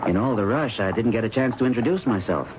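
An actor playing an earnest, friendly, awkward young doctor in a radio drama, talking in a hesitant, bumbling way. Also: male voice, mid-range voice, lively intonation, quick pace, close to an everyday voice. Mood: awkward, eager. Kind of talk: 1970s radio drama acting. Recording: dull, noisy old radio recording.

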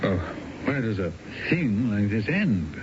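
An American actor playing a sensible, blunt middle-aged friend who disapproves, in a radio drama. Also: male voice, fairly low pitch, very animated, unhurried. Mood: stern, exasperated. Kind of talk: 1970s radio drama acting. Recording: dull, noisy old radio recording.

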